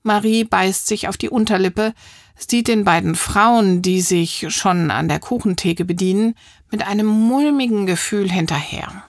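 A woman narrating a children's audiobook with a lively, expressive reading. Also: medium pitch, measured pace, no echo, studio quality. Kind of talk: scripted storybook narration.

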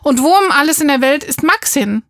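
A flustered dad stammers his way through a children's storybook, as a woman reader puts him on. The voice rises higher than the reader's usual and sounds close and dry. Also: expressive, a little fast, no room sound. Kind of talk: storybook reading.

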